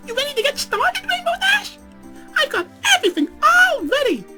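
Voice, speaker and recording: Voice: extremely high pitch, big pitch swings, moderate pace, bright, forceful tone, faint music behind, pitched above the performer's own voice, heavily acted. A reader voicing a hyper, giddy young female pink pony in a storybook reading, gushing in a frantic squeal. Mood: cheery.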